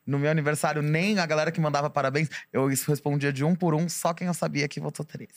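A man's voice: fairly high pitch, steady tone, fast talker, no echo, clean studio sound. A Brazilian man gossiping casually in a campy, theatrical drag-queen manner full of slang.

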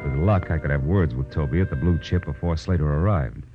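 An American actor playing a wry, clipped, hard-boiled private detective in an old radio drama. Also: male voice, rumbling low, brisk. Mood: wry narration. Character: hard-boiled wisecracking male private detective, narrating his case. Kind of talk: 1940s-50s radio detective acting and narration. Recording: muffled vintage radio recording with music.

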